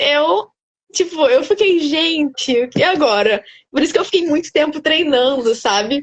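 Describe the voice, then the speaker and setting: A woman's high-pitched voice, fairly slow, with very even loudness and lively intonation. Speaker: theatre student. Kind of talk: podcast interview. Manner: soft-spoken.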